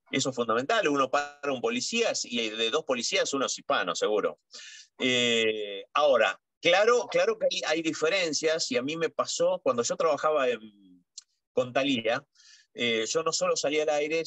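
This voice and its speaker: A man's voice: mid-range voice, sharp tone, no echo. A middle-aged man with an Argentine Rioplatense accent, chatting casually as a guest journalist and often repeating words while he searches for the next one. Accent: Rioplatense Spanish. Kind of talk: conversational interview.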